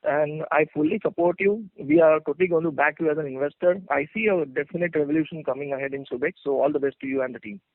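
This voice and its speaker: A man's voice: fairly high pitch, animated, fast talker, creaky, hardly any pauses, no echo. A male investor calling in with supportive remarks on an earnings call, heard over a phone line. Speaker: investor caller.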